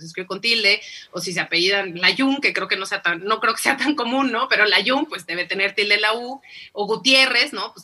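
Bright, husky Mexican woman explaining spelling. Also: mid-range voice. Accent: Mexican Spanish. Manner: explanatory, tag questions, laughs often. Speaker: podcast guest, spelling expert. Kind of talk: casual chat.

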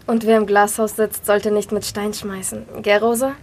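A woman's voice: medium pitch, little pitch movement, normal speed, darkish tone, a little hiss or hum, lightly acted. A woman voicing a gossiping tourist who taunts the others in a sly way. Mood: taunting.

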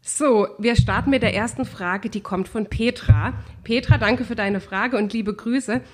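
A woman's voice: fairly high pitch, unhurried, a little mellow. Podcast co-host, woman in her thirties, stuffy with a cold, emphatic and opinionated. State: has a head cold, runny nose. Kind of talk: casual Q&A podcast talk.

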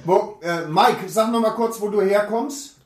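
A man's voice: high-pitched, a little slow, reverberant, crowd noise. A man hosting a casual group video call, joking as he calls on guests one by one. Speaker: host of a motorbike chat stream.

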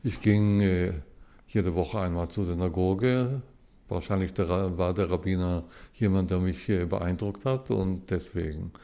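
A man in his seventies from Israel, a historian giving measured explanations as an interview guest. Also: deep voice, dark tone. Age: 70s. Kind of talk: casual interview talk.

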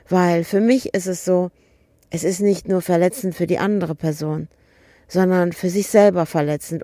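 Woman in her middle years, earnest storyteller, low-ish mellow voice, dry close sound. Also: dry recording. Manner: earnest, asks repeated questions, acts out dialogue. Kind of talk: reflective personal storytelling.

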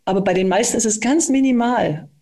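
Calm, explanatory speaking coach. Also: mid-range voice, a little fast. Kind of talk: coaching conversation with demonstrations.

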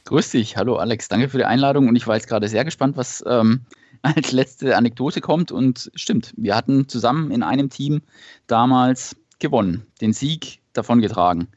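A man in his thirties speaking as a podcast guest, relaxed and telling stories with some fillers. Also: medium pitch, moderate pace, no room sound. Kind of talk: casual interview answers. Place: remote, at a family gathering. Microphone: remote call connection. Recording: dull lo-fi remote call, dry.

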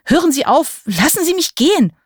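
A woman's voice: mid-range voice, normal speed, dry recording, clean studio sound, natural voice. A woman voicing a polite young man who is lost and stammers when he speaks. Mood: frightened.

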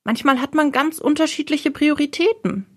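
A woman doing a gentle wise female bird. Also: high-pitched, close to an everyday voice. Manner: soft, measured. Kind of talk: audiobook role reading.

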